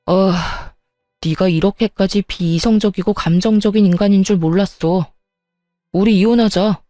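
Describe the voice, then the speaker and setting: A woman's voice: medium pitch, normal speed, warm tone, no echo, studio quality, faint music behind, natural voice. A woman voicing a petty, scheming young husband who talks in a blunt, dismissive way. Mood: cold dismissive.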